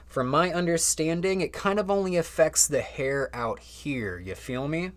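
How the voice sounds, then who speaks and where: A man's voice: a little high, lively intonation, moderate pace. A young man casually chatting on a live stream from home, loose and slangy with lots of fillers. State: slightly out of breath.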